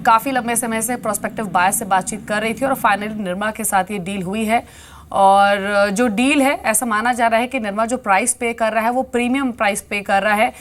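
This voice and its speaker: A woman anchoring live business news from a TV studio, her voice sitting a little high. She talks briskly and fluently, sprinkling English market terms into her Hindi. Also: fairly even intonation. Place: television studio.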